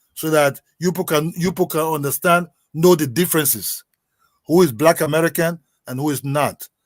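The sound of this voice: Speaking with a strong African accent, a man uses a fairly high pitch at a fairly quick pace, with long, frequent pauses. The recording is very clean, with a silent background. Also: dry, close sound with no echo.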